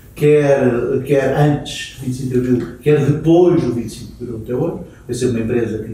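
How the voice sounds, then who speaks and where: At a moderate pace, a man speaks at a medium pitch with audible room echo. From Portugal. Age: 60s. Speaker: beer company executive. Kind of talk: interview.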